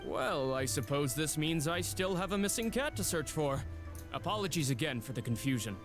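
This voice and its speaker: A man's voice: a little high, lively intonation, moderate pace, lightly acted. An actor playing a courteous, apologetic male shelter director, speaking in a formal, polite manner. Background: game music.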